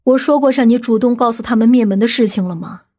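Woman acting a stern aunt, slightly husky. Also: fairly high pitch, warm tone, close to an everyday voice. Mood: stern, insistent. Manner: measured, firm, commanding. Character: stern, authoritative aunt of a powerful family. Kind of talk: audiobook character acting.

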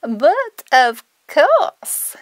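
A woman voicing a sweet, flirty French toy character with a breathy, drawn-out, affected French accent. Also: high voice, sing-song, no echo, voice pushed up, exaggerated voice. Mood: coy, delighted.

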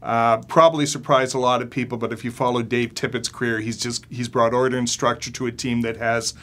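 A man's voice: medium pitch, level tone, a little fast, fairly bright tone. Older male columnist, emphatic, stuttering starts. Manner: emphatic, repeats words when starting. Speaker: sports columnist. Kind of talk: sports panel discussion. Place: studio with panel seated on stools.

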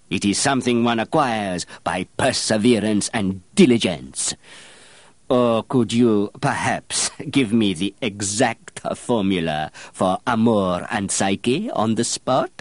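A man's voice: on the low side, dry recording, pitched above the performer's own voice, exaggerated voice. A man voicing a stern, pompous master perfumer who lectures and scolds a young apprentice. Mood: lecturing. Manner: haughty, lecturing, rising to shouts.

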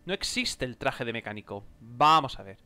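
A young gameplay video creator with a Spain Spanish accent comments on his play in a mid-range, sing-song voice that's pushed and bright, at a moderate pace. He exclaims and jokes, improvising mock chatter with the game's characters.

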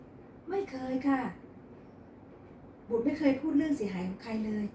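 A woman's voice: high-pitched, expressive, normal speed, mellow, slight background noise, voice pushed up. A woman voicing a naive, earnest young maid from the countryside in a read-aloud novel, recorded in an echoey room. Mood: shocked. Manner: polite, earnest. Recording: echoey room, distant mic.

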